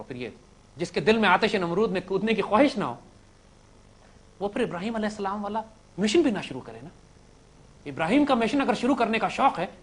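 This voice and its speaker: A man with a Pakistani Urdu accent giving an impassioned religious lecture to young students, swinging between loud declaiming and low-voiced asides.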